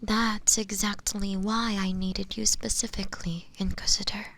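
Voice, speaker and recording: An imprisoned witch as a woman acts her out in a fantasy audio roleplay, speaking in a hushed, breathy voice with a gravelly creak. She draws her words out slowly and deliberately at a medium pitch. Her pleading innocence carries a sly, seductive undertone. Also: level tone. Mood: secretive, wary. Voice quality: breathy, whispery. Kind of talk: dramatic roleplay audio acting.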